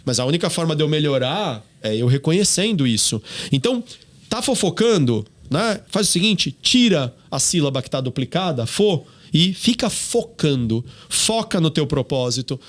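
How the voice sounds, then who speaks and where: Man, Brazilian Portuguese accent, podcast talk, emphatic and preachy, fairly high voice. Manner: emphatic, preachy, rhetorical questions. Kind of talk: podcast discussion.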